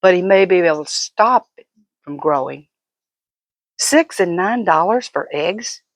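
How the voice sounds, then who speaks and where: A woman's voice: lowish voice, animated, measured pace, no room sound, studio quality. An older woman vlogger talking casually and giving opinions in an emphatic, folksy, fussing manner.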